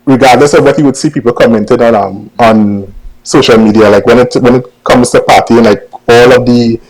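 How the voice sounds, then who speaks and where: A man's voice: mid-range voice, fairly even intonation, brisk, darkish tone, low-quality recording. A man with a Trinidadian accent answering interview questions casually, choosing his words with some hesitation. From Trinidad and Tobago. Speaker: interview guest, journalist.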